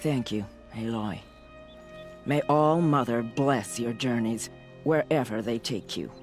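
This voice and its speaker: A man's voice: medium pitch, slow pace, darkish tone, lightly acted. Solemn tribal warrior played by a man, music behind. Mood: solemn, grateful. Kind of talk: video game cutscene acting.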